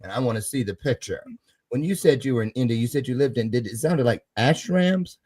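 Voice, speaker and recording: Male podcast host, animated and playful, with a widely swinging pitch. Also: a little fast. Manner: animated, joking, swings between soft and loud. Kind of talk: casual interview chat.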